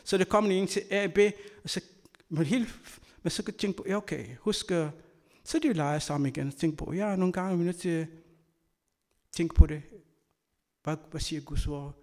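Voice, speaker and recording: A man giving an earnest sermon, telling personal stories and moving between loud and soft delivery. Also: sits high. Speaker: church speaker; school worker.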